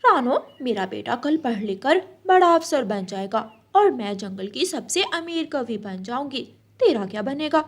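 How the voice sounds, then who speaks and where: A woman's voice: a little high, expressive, normal speed. A woman doing a sneering female crow. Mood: taunting. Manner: taunting, scornful. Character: mocking, boastful female crow, Gauri.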